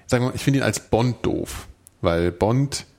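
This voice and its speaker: A man's voice: mid-range voice, animated, normal speed, gravelly, a little mellow. A man co-hosting a podcast in casual chat, rambling and joking with firm opinions. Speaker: podcast co-host.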